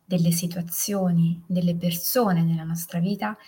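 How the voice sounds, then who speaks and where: A woman hosting a guided reflection podcast who talks softly and often half-whispers. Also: on the low side, fairly even intonation, moderate pace, husky. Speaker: podcast host.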